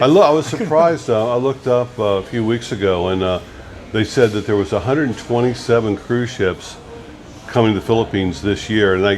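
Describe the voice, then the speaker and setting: Noticeable background noise sits behind a man with an American accent. He talks at a fairly quick pace and a medium pitch, with ordinary pitch variation. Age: 60s. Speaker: interviewer, expat channel host. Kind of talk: casual interview chat.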